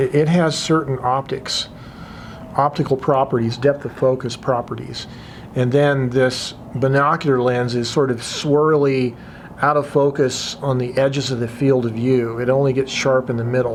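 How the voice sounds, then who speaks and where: A man speaks at a medium pitch and a moderate pace. His intonation is monotone and flat, with noticeable background noise. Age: 60s. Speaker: hobbyist YouTuber. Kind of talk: casual vlog monologue. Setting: outdoors on patio. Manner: rambling, with repetitions.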